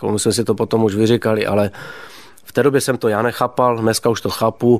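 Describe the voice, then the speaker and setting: Pitched at a medium level, a man speaks in a plain, everyday voice with fairly even intonation. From Czechia, Ostrava region. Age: 40s. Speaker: hockey coach, former player. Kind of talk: interview.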